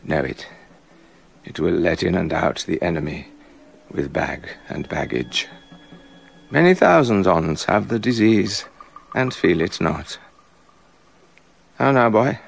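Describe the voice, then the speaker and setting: A gravelly, jealous king. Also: low-pitched, big pitch swings, slow pace, pauses often, exaggerated voice. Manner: bitter, muttering asides, swelling to accusation. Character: jealous brooding king, middle-aged man. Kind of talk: radio drama acting.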